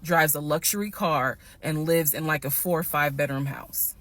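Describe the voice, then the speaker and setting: A woman casually telling a personal story to her viewers, animated and emphatic, slowing down to stress the key points. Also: sits low. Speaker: storytime vlogger.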